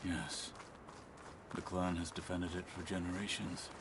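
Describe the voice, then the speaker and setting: An actor playing a gruff, battle-hardened tribal warrior in a video game, terse, stern and blunt. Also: male voice, low voice, level tone, a little slow, noisy background. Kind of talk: video game character acting.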